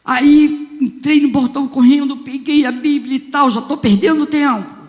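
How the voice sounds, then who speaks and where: A woman with a Brazilian accent, a bishop telling a story in a sermon, fervent and swelling into loud exclamations. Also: sits high, steady tone, normal speed. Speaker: bishop preaching. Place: church sanctuary. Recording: long church reverb.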